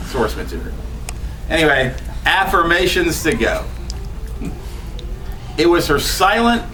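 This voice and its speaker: A man's voice: fairly high pitch, bright, forceful tone. A man reading his poems at a bookstore event, chatting between them with many ums and self-deprecating laughs. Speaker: poet reading his work. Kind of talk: live poetry reading with casual asides. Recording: distant camera audio with room noise.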